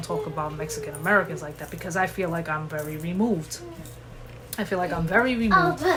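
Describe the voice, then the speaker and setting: A woman with a New York accent speaks in a fairly low pitch, using ordinary pitch variation. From US East Coast, New York. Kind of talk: casual talk to camera.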